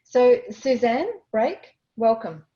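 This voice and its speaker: A woman moderating a virtual town hall, brisk and conversational. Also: a little high, expressive, warm tone. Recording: dull lo-fi audio.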